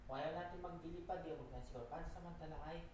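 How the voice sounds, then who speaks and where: A Filipino woman chatting casually in a halting, repetitive way, mixing Tagalog with English. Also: sits low. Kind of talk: casual rambling chat while driving. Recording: very echoey, distant mic, noisy background.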